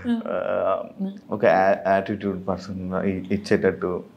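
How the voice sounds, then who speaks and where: A man's voice: on the low side, expressive, brisk, lo-fi sound. A man interviewing a guest, asking probing, teasing questions and murmuring agreement while she speaks.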